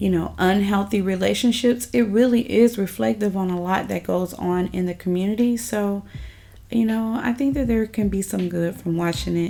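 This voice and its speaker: Her voice has a dark, mellow tone, a medium pitch for a woman with ordinary pitch variation, and a moderate pace. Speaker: reality TV reviewer. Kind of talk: casual monologue review. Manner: halting, stuttering.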